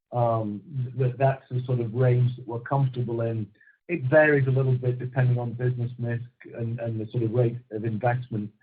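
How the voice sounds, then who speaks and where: Male senior executive, reflective and measured, slightly rough mid-range voice, thin telephone sound. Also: medium pitch. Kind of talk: unscripted answer to an analyst. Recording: muffled, narrow phone-line audio.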